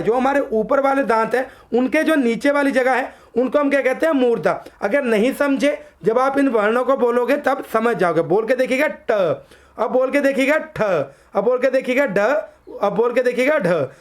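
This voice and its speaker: A woman with a high voice leads an exam coaching lesson, drawing out letter sounds slowly so viewers can copy them. She asks her own quiz questions and drops her voice to give each answer. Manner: poses quiz questions, then answers them herself in a lower voice; addresses viewers as friends. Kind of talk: online exam-prep lesson.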